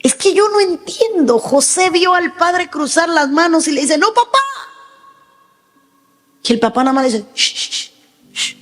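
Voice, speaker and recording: A woman's voice: high-pitched, normal speed, hardly any pauses. A woman pastor preaching a sermon with emphatic delivery, now and then acting out the voices she quotes. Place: large church hall. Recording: reverberant hall.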